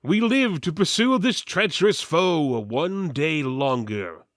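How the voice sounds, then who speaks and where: A man voicing a gruff, hearty, axe-wielding warrior in a dramatic fantasy story reading, declaiming emphatically. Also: fairly high pitch, lively intonation, slow, a bit bright, dry recording, clean studio sound, voice pushed up. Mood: defiant.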